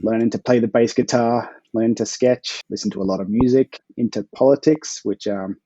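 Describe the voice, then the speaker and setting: A forty-year-old Australian man chatting casually and in a low-key way as an author guest on a podcast. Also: steady tone, brisk, mellow, breathy edge, no echo, lo-fi sound. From Perth, Australia.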